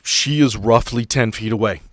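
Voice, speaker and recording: A man's voice: medium pitch, normal speed, no room sound. A man running a tabletop role-playing game, moving between dramatic scene-setting and casual asides as game master.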